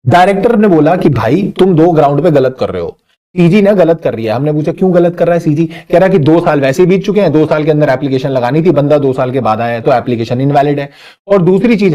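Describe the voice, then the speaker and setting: Animated male law teacher with a mellow voice. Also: on the high side. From Punjabi family. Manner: lively and conversational, reads question text slowly, teasing asides. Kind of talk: exam-prep lecture, mixing Hindi and English.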